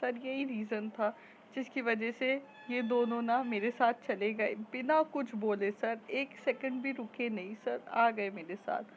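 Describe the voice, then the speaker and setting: A woman's voice: a little high, unhurried, dull audio, a little hiss or hum, close to an everyday voice. A woman voicing a young woman student, grieving yet defiant and teasing, in a storytelling podcast. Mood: pleading sad. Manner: pleading, then defensive and teasing.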